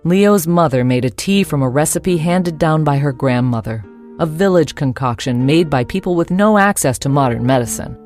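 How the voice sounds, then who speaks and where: A woman's voice: low-pitched, animated, moderate pace, a little mellow, faint music behind. A woman reading a first-person ghost story as its narrator.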